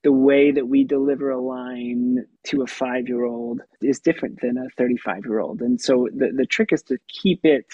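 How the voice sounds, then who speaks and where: A puppeteer and voice actor talking through his craft in an interview, with a light, youthful tenor voice and an animated manner that breaks into laughs. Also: mid-range voice, moderate pace, hardly any pauses, slightly rough, no room sound, lo-fi sound. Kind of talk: conversational interview answers.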